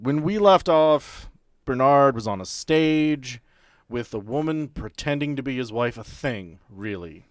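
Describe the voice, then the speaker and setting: A man's voice: medium pitch, expressive, measured pace, dry recording, clean studio sound. A man acting as podcast host and game master, moving between casual banter and narrating the game.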